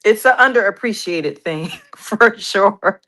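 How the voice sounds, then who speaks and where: A woman's voice: medium pitch, expressive, slow, a bit bright. A woman singer and pianist, a guest in an interview, talking candidly and telling stories with light laughter. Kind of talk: casual interview chat.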